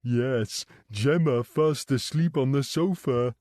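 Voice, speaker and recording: A man's voice: medium pitch, takes it slowly, a little mellow, no echo, natural voice. A man voicing a childlike adult male care home resident who speaks in short, blunt, mischievous phrases. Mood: cheeky.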